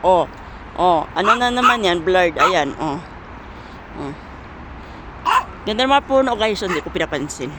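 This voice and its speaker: A woman vlogging outdoors on her phone, teasing and playfully scolding her pet, laughing often. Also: medium pitch. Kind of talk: casual vlog talking to a pet. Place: outdoors among trees in winter. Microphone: phone camera. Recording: noisy outdoor phone recording.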